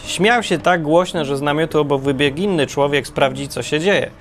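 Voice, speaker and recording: A man narrating a parable in a wry, deadpan storytelling manner. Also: a little high, normal speed. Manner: wry, deadpan humor with self-corrections.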